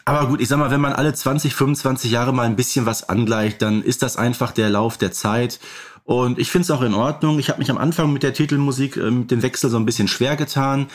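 A middle-aged man co-hosting a podcast, talking casually and explaining at length in a rambling way with frequent filler phrases. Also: medium pitch. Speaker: podcast co-host. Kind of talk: casual conversational podcast talk.

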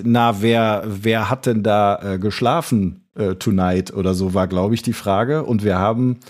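Rambling German man with low voice. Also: a little mellow. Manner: rambling, self-correcting, hesitant. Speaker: podcast co-host. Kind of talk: casual chat.

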